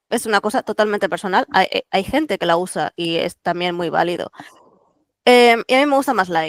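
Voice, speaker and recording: A woman speaks at a fairly quick pace with a medium pitch and lively intonation. The sound is dry and close, with no echo. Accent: Catalan. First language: Catalan (speaking Spanish). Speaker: literary translator. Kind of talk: interview conversation.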